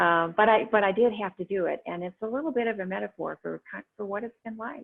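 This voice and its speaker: Soft-spoken, a woman talks with an American accent. Her pitch sits in the medium range and her pace is moderate. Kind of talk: interview. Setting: stage with audience.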